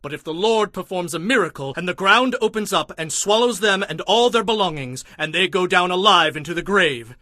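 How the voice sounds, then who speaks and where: A man's voice: sits high, lively intonation, a little fast, hardly any pauses, sharp tone, dry recording, studio quality. A man playing a stern, indignant Hebrew prophet and leader in a dramatized scripture, speaking in an emphatic, commanding, declamatory way. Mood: solemn warning.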